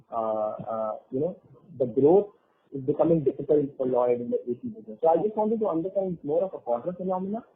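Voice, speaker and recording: A man asking questions as an analyst on an earnings call, phrasing them in a hesitant, roundabout way over the phone. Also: a little high. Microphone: phone conference line. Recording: tinny phone-line conference call.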